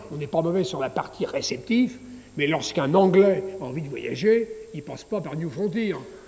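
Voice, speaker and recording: A man with a high pitch is heard through noticeable background noise and audible room echo. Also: long, frequent pauses, big swings in loudness. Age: 50s. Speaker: travel company executive. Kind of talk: interview. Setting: public conference in an abbey.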